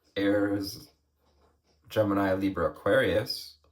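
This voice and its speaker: Speaking at a fairly low pitch, a man talks very slowly. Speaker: tarot reader. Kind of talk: tarot reading. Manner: halting.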